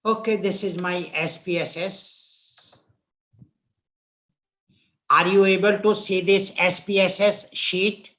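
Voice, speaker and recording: A man with a North Indian accent teaches a class online in a fairly high voice. He is deliberate in his explanations and often repeats a phrase before moving on. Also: steady tone, fairly bright tone. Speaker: instructor. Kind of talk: live online statistics lecture.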